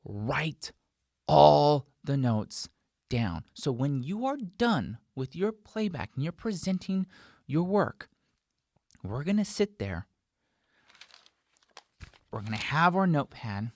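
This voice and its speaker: Male instructor, 40s, slightly high voice, conversational tutorial delivery with emphatic repeats, dry close-mic studio sound. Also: sing-song, takes it slowly, gravelly, long pauses, dry recording. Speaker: instructor, video host. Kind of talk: informal tutorial talk to camera. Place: small home studio, indoors. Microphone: desk microphone close in front.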